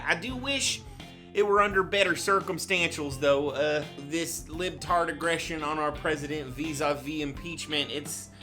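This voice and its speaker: A brash redneck pundit , played by a man, who shouts, swears and rambles through his rant. His voice is sharp and forceful, with faint music underneath. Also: on the high side. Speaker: guest ranter.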